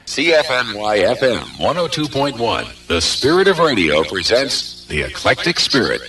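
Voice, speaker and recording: A man's voice: medium pitch, big pitch swings, moderate pace, sharp tone, far from the mic. A man reading a scripted show introduction as a radio station announcer.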